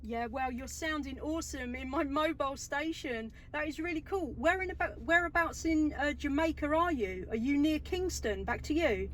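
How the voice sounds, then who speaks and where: A woman's voice: high-pitched, normal speed, few pauses. A woman, chatting enthusiastically as a CB radio operator inside a car. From England. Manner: enthusiastic, gushing. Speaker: amateur CB radio operator and video maker. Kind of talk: casual CB radio contact chat. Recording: very noisy radio static and clicks.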